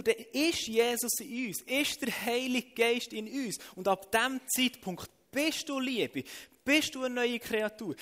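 A man with a noticeably high voice and a Swiss German accent delivers a sermon with earnest, repeated emphasis. His words ring out with a long, echoing reverb from a large hall. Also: a bit bright. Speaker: preacher.

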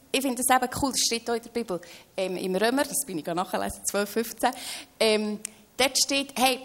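This is a woman with a Swiss German accent, a guest in a faith-based talk. She speaks earnestly and encouragingly, her voice pitched slightly above the usual for a woman. She often starts her points with a bright little "hey".

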